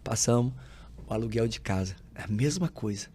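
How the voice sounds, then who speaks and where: Speaking fairly quickly in a lowish voice over slight background noise, a man who pastors recounts his testimony as a podcast guest. His lively storytelling includes acted-out dialogue and plenty of filler tags, and scripture quotes rise in emphasis as if from the pulpit.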